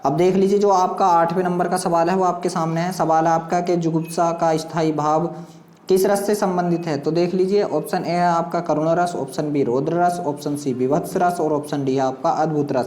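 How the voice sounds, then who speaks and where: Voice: mid-range voice, fairly even intonation, normal speed, darkish tone. A teacher explains a practice quiz, reading out questions and options and addressing learners directly with repeated instructional phrases. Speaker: exam coaching teacher. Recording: echoey room sound.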